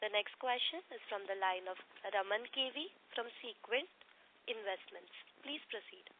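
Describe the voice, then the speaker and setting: A woman's voice: medium pitch, expressive, normal speed. A woman moderating a conference call with formal, scripted announcements. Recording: hissy narrow phone line.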